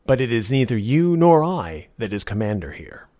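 A man's voice: medium pitch, big pitch swings, normal speed, warm tone, no room sound, studio quality, lightly acted. A man voicing a steadfast knight who refuses to leave his post, speaking firmly. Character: steadfast young knight on guard duty.

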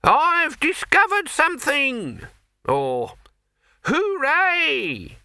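Man doing a squeaky, grumbling old pipe smoker. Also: huge pitch swings, very slow, bright, forceful tone, dry recording, heavily acted. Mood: indignant. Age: older. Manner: indignant, grumbling. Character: elderly male pipe-smoking townsman, opinionated.

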